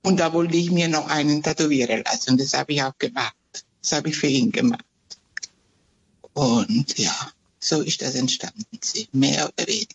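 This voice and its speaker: A woman's voice: low-pitched, moderate pace, husky, dull audio. A woman in her seventies, born in Italy, answering interview questions in a chatty, plain-spoken way with fillers and hesitations. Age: 70s. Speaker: interview guest.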